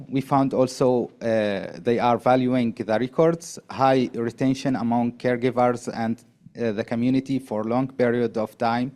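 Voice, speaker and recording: Man from Syria, slow hesitant panel presenter. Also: medium pitch, darkish tone. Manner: halting, many restarts and fillers. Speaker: conference panelist. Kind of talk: conference presentation.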